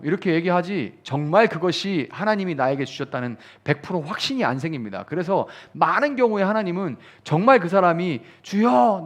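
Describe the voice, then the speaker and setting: A male pastor giving a sermon at a midweek prayer meeting, talking in an easy conversational way, acting out quoted prayers and rising to fervent emphasis. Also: fairly high pitch.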